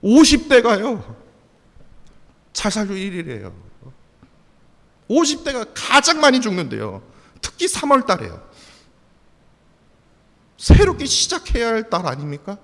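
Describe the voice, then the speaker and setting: A male pastor preaching a sermon with passion, dropping to a hush and then rising loud, putting questions to his congregation and answering them himself. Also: sits high, wildly swooping pitch, measured pace, gravelly, long pauses. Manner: impassioned, swings from hushed to loud. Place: church sanctuary. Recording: long church reverb.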